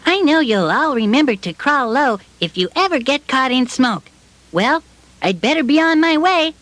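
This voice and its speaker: A woman's voice: sits high, big pitch swings, moderate pace, a bit bright, no room sound. A woman voicing Stan, a cheerful male puppet who sniffs for smoke and reassures children in a fire-safety puppet show. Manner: friendly, reassuring, talks straight to children.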